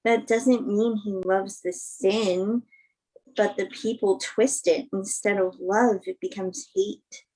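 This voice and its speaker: A woman playing a sincere film actress in a staged play reading, speaking in an earnest, measured way. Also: mid-range voice, steady tone, dark tone, rough recording. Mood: earnest, reflective. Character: Emma, sincere film actress woman, thoughtful, open-minded believer. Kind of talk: virtual staged play reading, naturalistic dialogue.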